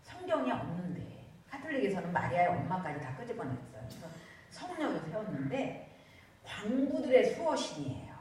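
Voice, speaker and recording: A woman pastor preaching a sermon, telling the story in an animated, storytelling way. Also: medium pitch, a little fast, a little hiss or hum. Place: church. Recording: echoey church hall from far off.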